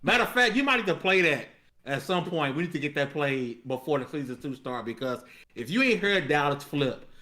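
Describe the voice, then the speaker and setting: Bright, forceful man chatting about games. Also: fairly high pitch, expressive, brisk. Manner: slangy, swearing, emphatic repetition. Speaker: panelist on a gaming talk show. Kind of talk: casual group chat.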